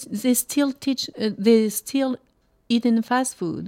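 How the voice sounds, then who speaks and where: A woman with a French accent, in dry, close sound with no echo and a very clean recording over a silent background. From France, near Lyon. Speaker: teacher and guest on healing. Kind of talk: casual interview chat. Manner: halting, searching for words.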